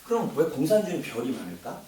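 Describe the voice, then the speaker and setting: Lively man lecturing in an echoey hall. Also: mid-range voice, fast talker. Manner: conversational, repeats words, frequent fillers. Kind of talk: casual lecture to an audience. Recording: very echoey room, distant mic, faint noise.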